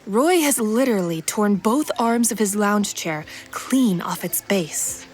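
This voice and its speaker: A woman's voice: medium pitch, animated, a little slow. A woman reading scripted present-tense story narration for an action fiction podcast. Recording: prominent music bed under narration.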